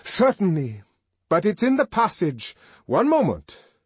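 A reader voicing a bold, defiant man in a novel who speaks loudly and in a commanding way. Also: medium pitch, wildly swooping pitch, a little slow, husky, dry recording, voice pushed up, full character voice. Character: bold, commanding male rebel, loud and defiant.

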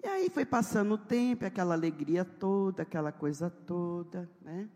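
A woman's voice: fairly low pitch, moderate pace. A woman pastor, telling a testimony in a sermon and acting out the dialogue. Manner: animated storytelling, acting out dialogue. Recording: long hall reverb.

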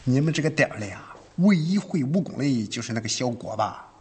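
A man's voice: medium pitch, expressive, brisk, slightly rough. An actor playing a boastful, blustering male mountain bandit in a TV sitcom. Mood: menacing. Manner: blustering, wheedling, then cowardly. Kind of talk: TV sitcom acting.

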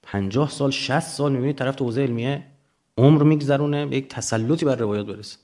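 A man's voice: medium pitch, a little mellow. A man with an Iranian Persian accent lecturing informally and emphatically, explaining through examples and rhetorical questions.

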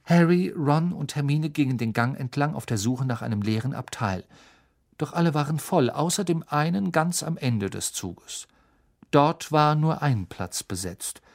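A man narrating a story as an audiobook, with expressive storytelling. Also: fairly high pitch, unhurried, creaky. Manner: expressive storytelling, varied intonation.

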